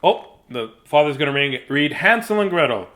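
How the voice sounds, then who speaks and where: A man's voice: a little high, lively intonation, normal speed, fairly bright tone. A man chatting casually and playfully while reading bedtime storybooks to children on a livestream.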